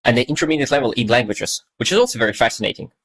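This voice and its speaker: A man in his thirties from Estonia, a native Russian speaker, is a guest on a casual podcast. His mid-range voice is expressive, a bit bright and rapid-fire, and he talks in a thoughtful, meandering way with many fillers.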